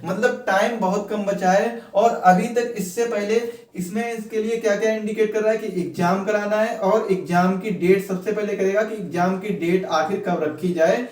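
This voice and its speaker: Male exam coach, notably high register, informal and repetitive explainer, recorded away from the mic. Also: fairly even intonation, moderate pace, hardly any pauses, darkish tone. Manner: repetitive, asks questions and answers them himself. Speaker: exam-preparation coach and video host. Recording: echoey room, distant from mic.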